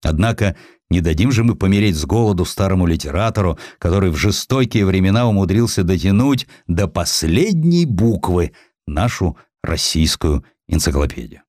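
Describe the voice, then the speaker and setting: A man's voice: low voice, animated, a little mellow, no room sound, studio quality. A man playing a dignified, formal military man turned editor, reserved yet kindly, in an audiobook. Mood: resigned, pitying. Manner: formal, measured, sighing. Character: dignified male general turned editor, reserved but pitying.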